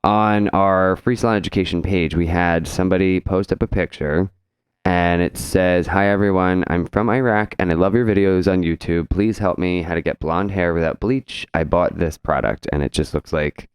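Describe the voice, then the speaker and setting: A man in his thirties co-hosting a hairdressing podcast in a salon, chatting casually into a boom mic and acting out what clients say. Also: steady tone, moderate pace, smooth, dry recording. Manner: storytelling, acts out quoted clients. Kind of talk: casual chat. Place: salon studio. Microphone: studio mic on boom arm, headphones.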